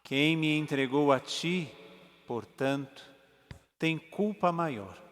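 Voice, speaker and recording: Calm, solemn Jesus read by a Brazilian man, slow delivery, church reverb. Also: on the high side. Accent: Brazilian Portuguese. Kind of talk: liturgical Passion reading.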